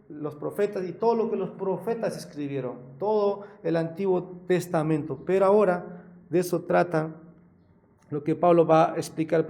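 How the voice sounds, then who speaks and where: A man preaching a sermon with a fairly high, gravelly voice that has a mellow, dark tone. He talks conversationally, corrects himself mid-sentence, tosses in rhetorical questions, and hits key words louder. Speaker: pastor.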